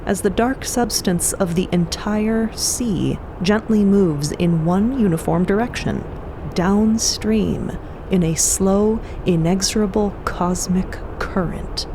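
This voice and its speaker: A woman narrating a scripted story in a conversational way, with clear ambient noise behind her. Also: medium pitch, slow pace.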